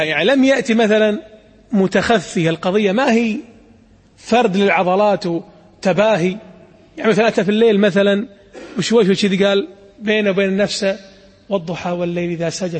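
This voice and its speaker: A man teaching a religious lesson, retelling the story with animated dialect asides. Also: sits high, husky. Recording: echoey hall with long reverb.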